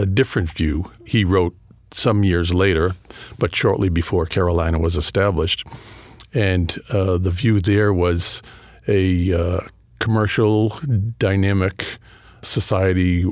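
A middle-aged man with a New England accent, a history professor answering interview questions in a thoughtful, measured way with frequent fillers and restarts. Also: sits low, dry recording. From New England, just outside Boston. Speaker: history professor and author, guest.

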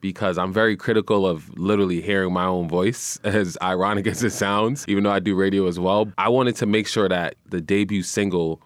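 Young new guy, really deep low voice, dry studio sound, easygoing, lots of "man". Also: fairly quick, few pauses, dry recording. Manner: relaxed, easygoing, says "man" and "you know" often. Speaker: guest musician and radio personality. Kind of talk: casual interview chat. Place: radio studio.

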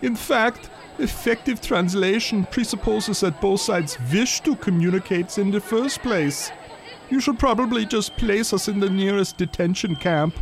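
A man's voice: high voice, measured pace, creaky, faint music behind. A man playing a haughty, obstinate existentialist in a comedy sketch. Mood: haughty defiance.

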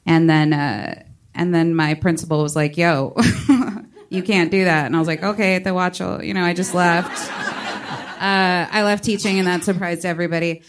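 Female comic, lower pitch, wry dry panel talk. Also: steady tone, moderate pace, slight background noise. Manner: wry, dry asides to the crowd. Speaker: stand-up comedian on a panel. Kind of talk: casual panel conversation.

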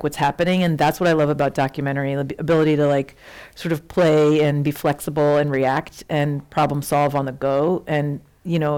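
A woman, a documentary filmmaker, talking in a casual conversation, animated and peppered with "like". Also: sits low.

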